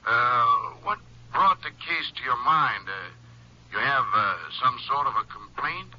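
An actor playing a folksy, evasive small-town sheriff with a rough voice in a 1950s radio drama. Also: male voice, medium pitch, animated, a little slow, sharp tone. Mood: probing, dismissive. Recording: lo-fi old radio broadcast recording.

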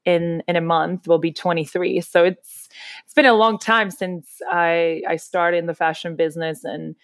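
A woman's voice: lowish voice, steady tone, normal speed, no echo, clean studio sound. A woman, telling her story as a podcast guest in an enthusiastic, rambling way. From Czech Republic. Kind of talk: casual interview chat.

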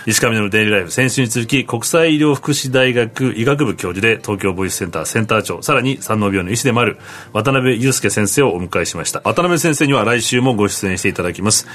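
A man's voice: fairly low pitch, fast, few pauses, a bit bright. A man hosting a radio show in a studio, interviewing a guest with frequent short replies. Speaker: radio host.

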